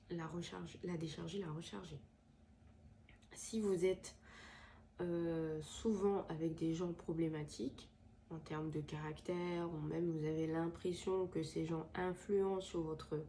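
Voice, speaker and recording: A woman talks to her viewers, her voice stuffy from a head cold. She sits a little low in pitch with a dark, mellow tone. She hesitates often and restarts her sentences, with a faint hum of background noise. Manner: hesitant, many fillers and restarts. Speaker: tarot and crystal channel host. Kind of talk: casual spoken advice to viewers. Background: washing machine running.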